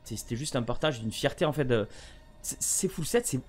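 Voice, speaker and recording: A man's voice: medium pitch, expressive, a little fast, a little mellow, slightly rough, faint music behind. A French man chatting casually to camera about a gift, often rambling and stammering over his words. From France. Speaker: gaming vlogger.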